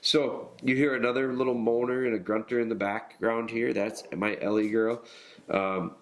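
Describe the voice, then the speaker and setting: A man hosting a podcast with a nasal, congested voice, talking casually and haltingly with frequent pauses and restarts. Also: mid-range voice, flat delivery. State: congested from illness. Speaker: podcast host.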